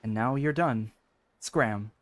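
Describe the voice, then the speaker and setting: An actor playing a cool, blunt young man in a video game, speaking in a measured, deadpan way. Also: medium pitch, noisy background, lightly acted. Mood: calm, dry. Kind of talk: video game character acting.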